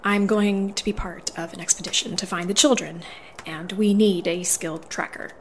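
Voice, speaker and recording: A woman's voice: mid-range voice, steady tone, moderate pace, slight background noise, natural voice. A woman playing an earnest, prickly dwarven paladin in an audio drama, speaking in a firm, formal, businesslike way. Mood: worried.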